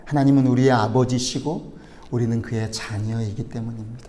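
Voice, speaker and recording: A man's voice: mid-range voice, steady tone, a little fast, warm tone, a little hiss or hum. A man, a pastor, giving a sermon in a conversational manner, asking the congregation rhetorical questions.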